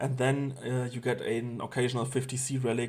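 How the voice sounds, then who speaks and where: Somewhat breathy, a man speaks at medium pitch and a moderate pace with monotone, flat intonation. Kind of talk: gaming guide talk to camera. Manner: casual, hesitant with fillers.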